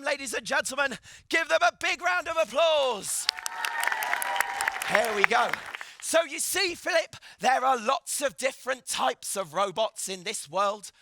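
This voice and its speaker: A man presenting a live children's science show with an excitable, theatrical manner, urging the audience to cheer. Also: very high-pitched, vocal fry. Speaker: stage presenter. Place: live event hall with an audience. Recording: music playing behind.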